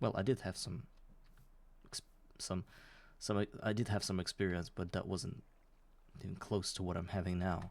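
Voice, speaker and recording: Speaking with a non-native accent, a man with a very deep, low pitch keeps a moderate pace and fairly even intonation, with long, frequent pauses. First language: Russian. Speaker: streamer. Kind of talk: casual chat. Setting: live stream. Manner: halting, trips over words.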